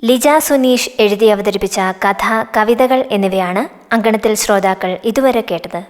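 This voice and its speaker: A woman's voice: mid-range voice, fairly even intonation, normal speed. Reverberant woman radio announcer. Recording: long reverb. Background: music.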